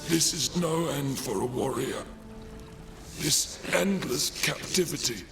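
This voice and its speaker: An actor playing a weary, despairing old soldier in a video game, speaking in a strained, halting, solemn way over watery background noise. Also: male voice, a little high, expressive, music in the background, exaggerated voice. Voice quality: gravelly, strained. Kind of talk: video game cutscene acting.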